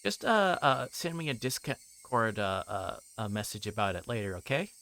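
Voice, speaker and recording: A man livestreaming a visual novel, reading it aloud and chatting to viewers in a hesitant, halting way. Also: on the low side, animated, vocal fry, sharp tone.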